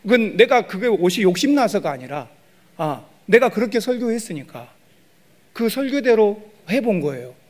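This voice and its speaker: A middle-aged man preaching a sermon as pastor, animated, acting out prayers and calls with sudden loud bursts. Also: high-pitched, moderate pace.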